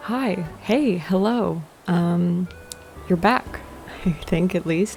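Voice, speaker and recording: A woman talks at a very slow pace, her pitch medium with ordinary variation and her loudness very even. Music plays in the background. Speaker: gaming YouTuber. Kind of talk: casual gameplay commentary. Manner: whispered, quiet.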